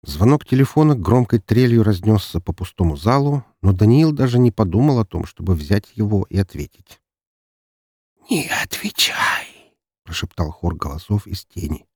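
A man narrating an audiobook in an expressive storytelling manner, recorded close to the mic. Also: on the low side, fairly quick, no room sound. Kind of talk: scripted narration.

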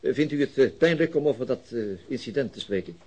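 Brisk, dogged police inspector. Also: male voice, medium pitch, expressive, darkish tone, slightly rough. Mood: probing, polite. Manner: hesitant, probing, trailing questions. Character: dogged police chief inspector, intuitive, politely insistent. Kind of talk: radio drama acting.

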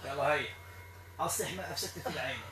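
A man with a Moroccan Arabic accent, performing an exorcism ritual in a stern, repetitive, commanding way that sometimes turns to shouting. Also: on the high side, very fast. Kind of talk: ritual commands to a possessed person. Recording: echoey room, distant mic, noisy.

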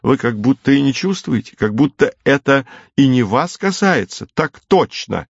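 A man's voice: medium pitch, lively intonation, moderate pace, creaky, dry recording, pitched above the performer's own voice. A man voicing a stern, gloomy woman nurse who speaks reproachfully and indignantly, on a dull lo-fi recording.

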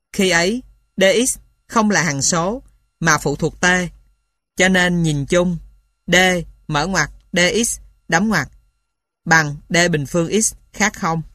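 Reading a math textbook slowly and pausing often, a woman dictates each formula and punctuation mark piece by piece. Her voice is lowish and fairly bright, in a clean studio recording with no room sound.

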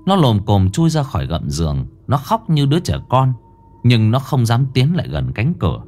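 A man reading a ghost story aloud in a dramatic, expressive way. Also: mid-range voice, moderate pace, soft background music. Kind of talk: scripted horror story narration.

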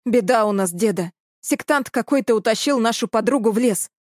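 A woman voicing a decisive young man who talks briskly and takes charge. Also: fairly high pitch, a little mellow, no room sound, studio quality, close to an everyday voice.

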